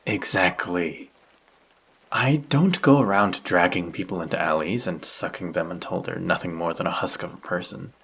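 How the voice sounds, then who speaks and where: A man playing a friendly, polite vampire who speaks gently and reassuringly in an intimate roleplay audio drama, with a husky voice. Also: low-pitched, normal speed, heavily acted, rough recording. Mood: gentle, earnest. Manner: polite, soft-spoken, reassuring, gently teasing. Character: friendly, courteous male vampire, gentle and caring stranger. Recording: rain sound effects behind the voice.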